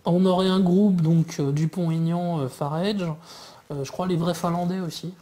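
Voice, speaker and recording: A man's voice: sits high, steady tone, moderate pace, mellow. Hesitant man discussing politics. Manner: hesitant, many fillers and restarts. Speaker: guest commentator.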